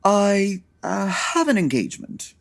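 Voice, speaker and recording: An actor playing a fussy, haughty, theatrical 1940s gay man in a comedy audio drama, pompous and husky. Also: high voice, very animated, a little slow, heavily acted. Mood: coy, affectionate.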